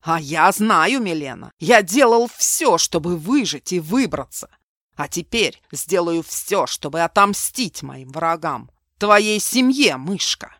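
A woman's voice: lowish voice, expressive, a little slow, hardly any pauses, a bit bright, no room sound, clean studio sound. A woman voicing a bitter, vengeful man just out of prison, harsh and mocking with a raised voice. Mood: furious.

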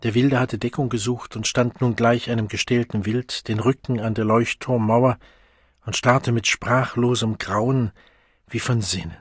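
Husky male audiobook narrator. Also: medium pitch, steady tone, dry recording, studio quality. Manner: measured, dramatic storytelling.

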